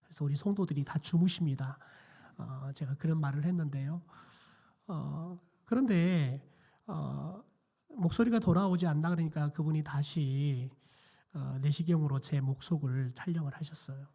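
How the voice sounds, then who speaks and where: A middle-aged man, a pastor, preaching a quiet sermon in a church with a hoarse, nearly lost voice and many hesitant fillers. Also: fairly high pitch, moderate pace. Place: church sanctuary.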